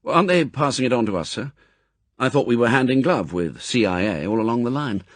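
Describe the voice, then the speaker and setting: Man playing a deferential, husky secret agent. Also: medium pitch, animated, brisk, no echo, voice pushed up, lightly acted. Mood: curious, respectful. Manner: respectful, apologetic, polite. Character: deferential male secret agent, earnest, self-doubting subordinate. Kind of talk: audiobook character acting.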